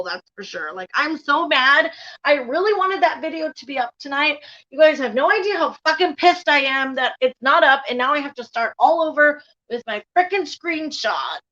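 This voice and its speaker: A woman's voice: sits high, bright, forceful tone. A woman hosting a casual commentary stream, blunt and profane, laughing often as she reacts. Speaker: YouTube commentary host. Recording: slightly dull lo-fi sound.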